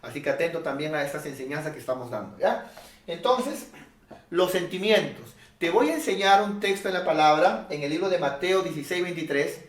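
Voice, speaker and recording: A male pastor preaching a sermon in an animated, rhetorical way, often asking his listeners "¿no es cierto?". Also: on the high side, a little fast, far from the mic. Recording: echoey room, voice off-mic.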